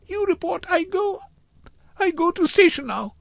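A man voicing a desperate young Indian street boy in a storybook, speaking broken, halting English in short bursts with a thin, high voice. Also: expressive, vocal fry, no echo, studio quality, heavily acted. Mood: panicked, insistent.

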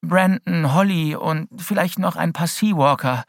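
A man's voice: a little high, a little slow, creaky, no echo, clean studio sound, voice pushed up. A man voicing an impulsive, eager teenage boy hero who speaks earnestly.

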